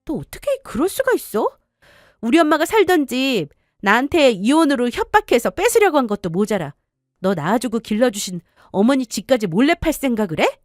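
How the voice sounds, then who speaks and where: A woman's voice: a little high, sing-song, a little fast, dry recording, studio quality, faint music behind. A woman voicing a wife who coldly and sharply confronts her husband in an audio story. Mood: accusing. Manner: sharp, accusing, cold.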